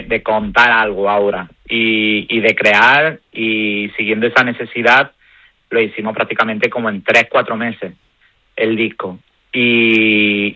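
A man, a band member calmly explaining his views in a radio interview. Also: medium pitch, dry recording. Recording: dull lo-fi radio sound.

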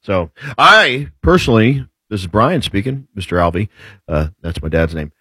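A man's voice: on the low side, big pitch swings, normal speed, bright, forceful tone, husky, no echo. Easygoing man in his forties. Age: 40s. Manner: easygoing, rambling. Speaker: co-host. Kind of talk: casual radio chat. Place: radio studio.

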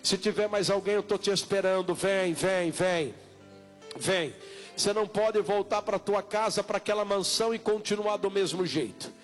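A Brazilian man preaches in a high voice, as a pastor at an altar call. He exhorts insistently, repeating short appeals and stretching out key words in the Portuguese of Brazil. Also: soft background music. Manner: insistent, repetitive exhortation with drawn-out calls. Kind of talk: evangelical sermon, altar call and prayer.

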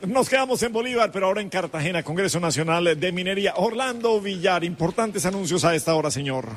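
A man's voice: high voice, expressive, fast. A Colombian man hosting live radio, joking and teasing his co-host. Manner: jovial, teasing.

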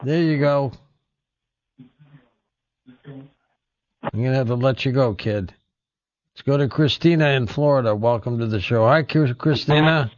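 A man hosting a call-in radio show, brisk and friendly as he moves between callers. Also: medium pitch, no room sound, lo-fi sound. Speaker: radio talk show host.

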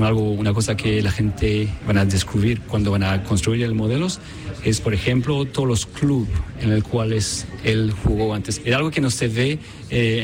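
A man from Chile, a product designer, answering interview questions hesitantly with many fillers and restarts, at a busy event. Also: fairly low pitch. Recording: crowd chatter behind.

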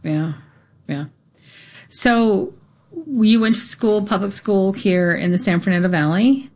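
A woman's voice: medium pitch, takes it slowly, a little mellow. A woman interviewing a guest in a casual conversation, encouraging him with frequent short affirmations.

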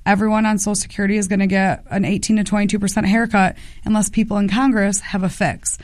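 A woman's voice: mid-range voice, little pitch movement, fast, a little mellow, no echo. A woman in her thirties, a congressional candidate, answering policy questions in a radio interview with assertive talk. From United States. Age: 30s.

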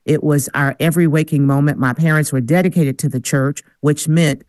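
A woman's voice: deep voice, fairly even intonation, brisk, darkish tone, no room sound. A woman guest on a radio interview show, telling her life story with eager enthusiasm. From Michigan. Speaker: guest, singer and speaker. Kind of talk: casual interview talk.

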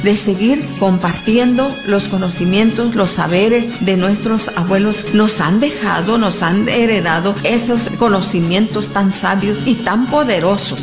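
A woman whose first language is Nahuatl, from Mexico, speaking firmly and earnestly in a documentary interview. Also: mid-range voice. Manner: earnest, firm, proud. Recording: music bed underneath.

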